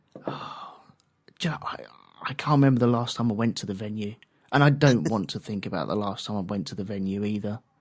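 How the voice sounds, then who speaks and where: A man's fairly low voice in a South London accent, very fast pace, long and frequent pauses, ordinary pitch variation. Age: 30s. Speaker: podcast host. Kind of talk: casual chat.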